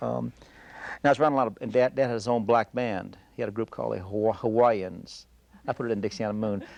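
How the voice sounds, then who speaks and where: Speaking at a very fast pace, a man with a South Carolina accent keeps his intonation fairly even. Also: medium pitch for a man. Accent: Southern US (South Carolina). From South Carolina, Columbia. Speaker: writer and writing teacher. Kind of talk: interview Q&A with students. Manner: halting.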